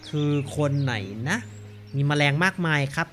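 A man's voice: a little high, unhurried, fairly bright tone, faint music behind. A man giving casual, polite let's-play commentary, musing aloud as he explores. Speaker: gamer streamer.

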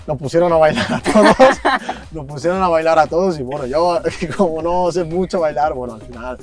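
A teenage man from Colombia answering interview questions on an outdoor park bench, hesitant and soft-spoken, often restarting his sentences. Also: a little high, fairly quick, soft background music. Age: late teens. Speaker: youth footballer guest.

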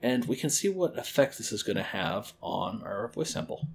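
A man teaching a screen-recorded lesson on a quality desk microphone, calmly explaining audio editing and wave theory step by step. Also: mid-range voice, moderate pace, gravelly, slight background noise. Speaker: library educator.

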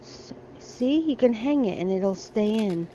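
A woman's voice: a little high, animated, a little slow, mellow, highs cut off, a little hiss or hum. A middle-aged American woman vlogging casually as she shops in a large discount store, chatting and thinking aloud about products into a handheld phone. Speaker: shopping vlogger. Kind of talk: casual shop-with-me vlog. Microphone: handheld phone camera.

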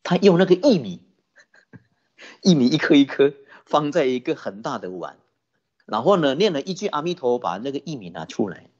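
A Buddhist dharma teacher telling a story in a sermon, animated, often asking the listeners questions. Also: medium pitch, normal speed, long pauses, muffled recording. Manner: animated, many rhetorical questions to the audience.

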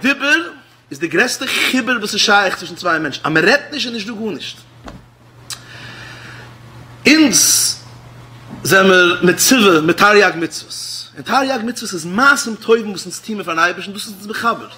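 Animated Hasidic rabbi preaching. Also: male voice, moderate pace. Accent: Hasidic Yiddish. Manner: swings between loud exclamations and low murmured asides. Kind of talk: Yiddish-flavored Hasidic sermon.

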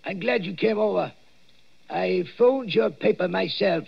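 An actor playing a nervous old male night watchman in a waxworks, hesitant and full of pauses, in a 1940s radio drama on a dull old recording. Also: high voice, vocal fry, breathy edge, full character voice. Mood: uneasy, hushed. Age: older. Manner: hesitant, full of 'uh's, spooky storytelling.

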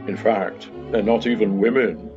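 A man's voice: lowish voice, fairly even intonation, unhurried, music in the background. A man narrating a comic storybook pantomime from a script in a wry storytelling manner. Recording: slightly dull home video-call recording.

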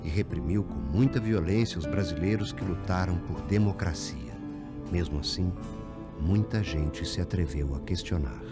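A man reading scripted narration for a documentary in a measured, solemn way. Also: sits low, animated, loud music behind the voice.

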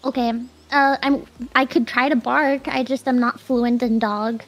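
A woman chatting casually as a vtuber guest, giggly and excitable. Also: high-pitched, a little slow. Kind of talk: casual stream chat.

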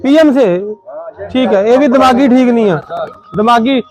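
A man's voice: very high-pitched, moderate pace, over music, poor audio. A man, a charity volunteer, questioning people outdoors in a village and appealing to viewers in an emotional, pleading and consoling way. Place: outdoors in a village among a crowd. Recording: crowd chatter behind.

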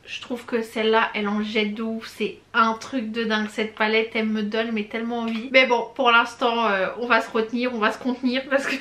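A woman's voice: on the high side, little pitch movement, brisk, few pauses, a bit bright. A young woman chatting casually to camera as a beauty vlogger, gushing about products with lots of hesitations and slang. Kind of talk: casual product review chat.

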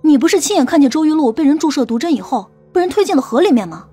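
A woman acting a high-voiced, urgent policewoman. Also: sing-song, very fast, mellow, soft background music. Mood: disbelieving. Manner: questioning, urgent. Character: earnest, questioning young female police officer, a subordinate.

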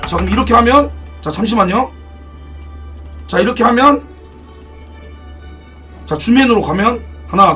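A young man live-streaming a game, excitable and profane, thanking donors as he plays. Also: sits high. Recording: distant mic, background music.

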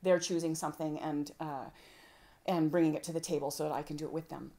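A woman presenting an informal workshop on homeschooling, lively and fond of acting out little exchanges between a parent and a child. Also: low-pitched, quick pace. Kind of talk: informal teaching talk to a group.

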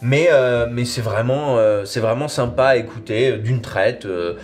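A man's voice: mid-range voice, unhurried. A young adult man, hosting a casual review to camera. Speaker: host reviewing audio dramas. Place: wood-panelled bar room, indoors.

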